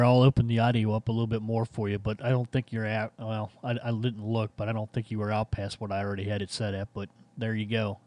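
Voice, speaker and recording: A man's voice: lowish voice, a little mellow. A man chatting casually as an amateur radio operator.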